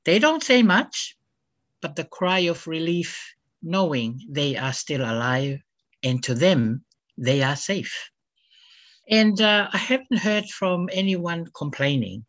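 A middle-aged woman from Tonga, a community broadcaster, answering interview questions earnestly, with many pauses and a tag "eh". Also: low voice, animated, muffled recording.

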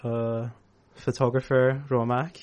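A man hosts a community radio show in a studio, talking loosely and thinking aloud. His pitch sits in the middle, and his chat is unhurried and friendly in tone. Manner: relaxed, thinking aloud with fillers and laughs. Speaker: radio host. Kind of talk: casual interview chat.

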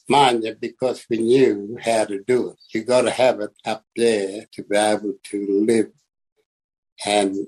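An older man speaks with an Aboriginal Australian accent in a dark, husky voice. He takes his time, very slowly, halting between phrases. His delivery is plain-spoken, unscripted personal testimony. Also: on the low side, poor audio. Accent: Australian Aboriginal English. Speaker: community elder and land activist.

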